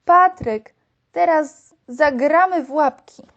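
A woman voicing an inventive, lively little girl in a storybook reading, with excited, eager calls. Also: sits high, slow pace, dull audio. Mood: playful.

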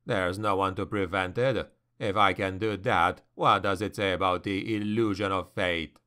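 A man's voice: sits low, steady tone, moderate pace, pushed and bright, voice pushed down. A man voicing a grim, ambitious male noble warrior who speaks in a cold, defiant growl.

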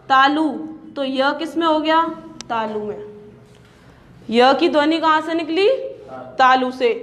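A woman's voice: high-pitched, fairly bright tone. A woman teaching a lecture, sounding out each syllable again and again and asking her students questions before she answers them herself. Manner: repeats sounds and asks the class questions. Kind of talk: classroom lecture.

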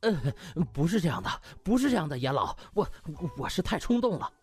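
A pompous, touchy male doctor played by a male narrator, with wildly swinging pitch. He is a blustering audiobook rival, over music. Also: very animated, brisk, a little mellow, slightly rough, no echo. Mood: flustered apologetic. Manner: pompous, blustering, obsequious to superiors. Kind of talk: audiobook character acting. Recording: music behind the voice.

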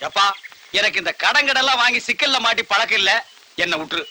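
An actor playing a loud, sarcastic village man in a film comedy, firing off mocking retorts. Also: extremely high pitch, lively intonation, quick pace, slight background noise, heavily acted, poor audio. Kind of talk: 1980s-90s Tamil film comedy dialogue.

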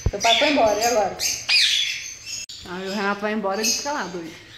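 Young woman vlogging about her pet birds, loose chatty tone, roomy echo, loud squawks all around. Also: medium pitch, fast talker. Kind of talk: casual chat to camera. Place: indoor bird room with cages. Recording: echoey room, loud bird noise. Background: loud parrot squawks and chirps.

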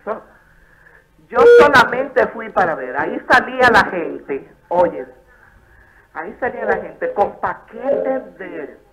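A woman calling in to a talk show by phone, telling a rambling eyewitness account that gets loud at times. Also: mid-range voice, very animated, slow pace. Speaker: caller. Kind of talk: phone-in call. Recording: muffled phone-line call.

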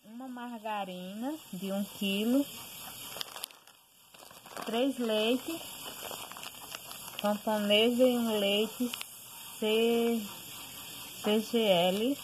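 A woman's voice: a little high, steady tone, extremely slow, pauses often. A woman casually talking through her meals and monthly groceries in a kitchen, listing items plainly with fillers. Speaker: home cooking and grocery vlogger. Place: home kitchen. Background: pressure cooker hissing.

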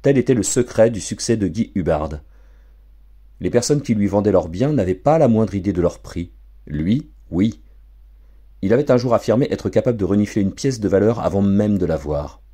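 A man narrating a storybook for an audiobook in an expressive, theatrical way. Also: fairly low pitch, moderate pace, slightly rough. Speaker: audiobook reader.

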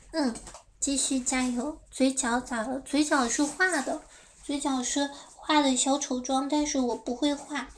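A woman's voice: sits high, slight background noise. A young woman from China chatting playfully with fans on a livestream, reading their comments aloud and stumbling over English words. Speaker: idol livestream host. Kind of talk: casual livestream chat with fans.

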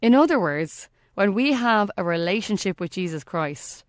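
An Irish woman hosts a faith podcast, reading a scripted reflection in an earnest voice that leans into the key phrases. Her pitch sits in an ordinary middle range. The sound is dry and close, with no room echo. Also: animated, moderate pace. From Ireland. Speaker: podcast host.

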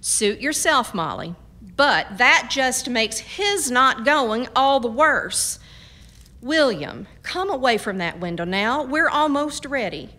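An actress playing a firm, practical frontier mother in a radio drama, with a brisk, folksy, scolding manner. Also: on the high side, very animated, bright, forceful tone, full character voice. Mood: pleading, exasperated.

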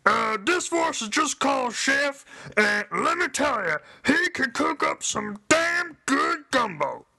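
A young man voicing a jolly, folksy chef with a high, drawling delivery. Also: sing-song, slow pace, creaky, pushed and bright, heavily acted. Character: Cajun-style chef, jolly middle-aged man.

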